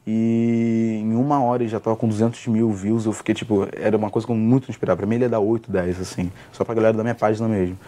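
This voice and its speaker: A young man, a stand-up comedian telling stories in a casual interview, with many restarts. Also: fairly low pitch. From Rio de Janeiro, Brazil. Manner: fast, relaxed storytelling with many restarts and fillers.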